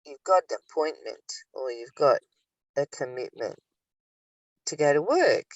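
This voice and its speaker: A woman's voice: low-pitched, lively intonation, unhurried, no echo, highs cut off. An older woman speaking reflectively in a spiritual study discussion, recorded at a distance from the microphone. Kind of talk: reading aloud and reflective discussion.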